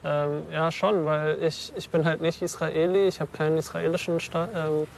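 Hesitant young German man, gravelly. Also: on the high side, level tone, moderate pace, a little hiss or hum, poor audio. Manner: hesitant, many fillers and restarts. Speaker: interviewee. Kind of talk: casual interview answers.

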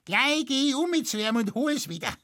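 A man voicing a shrill, nosy, greedy old Bavarian woman who scolds and yaps, with a Bavarian accent. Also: big pitch swings, moderate pace, a bit bright. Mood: shrieking indignant. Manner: yapping and snappish.

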